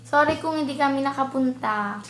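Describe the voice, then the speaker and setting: High-voiced young Filipina fan, echoey room. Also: female voice, normal speed, slight background noise. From Philippines. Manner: playful, sings and calls out hellos to a list of names. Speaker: fan sending a video greeting. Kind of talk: casual fan video message with sung parts. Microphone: phone or handheld camera.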